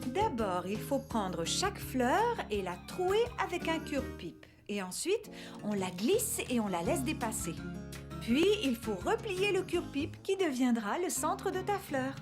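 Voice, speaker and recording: Encouraging woman teacher for a kids' cartoon: high-pitched, patient step-by-step instruction over music. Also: very animated, unhurried. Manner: clear step-by-step instructing, praising. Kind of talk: children's cartoon acting. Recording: music behind the voice.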